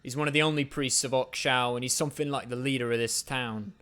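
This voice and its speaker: A man voicing a gruff male warrior who speaks bluntly and matter-of-factly in a tabletop game. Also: mid-range voice, fairly even intonation, fast, fairly bright tone, natural voice. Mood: insistent.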